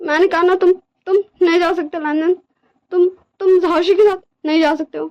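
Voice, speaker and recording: A woman's voice: very high voice, fairly even intonation, normal speed, dull audio, voice pushed up. A woman voicing a heartbroken young husband who cries and begs his partner not to leave, repeating himself. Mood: desperate. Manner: tearful, begging, repeating himself. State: crying. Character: young man, heartbroken pleading omega husband.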